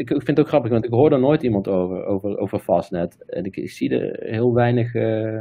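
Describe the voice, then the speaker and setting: A quiet background behind a man talking at moderate speed. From Eindhoven, Netherlands. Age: 30s. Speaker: viewer and hospitality worker, amateur investor. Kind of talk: casual interview. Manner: hesitant, many filler words. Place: home room. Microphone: video call.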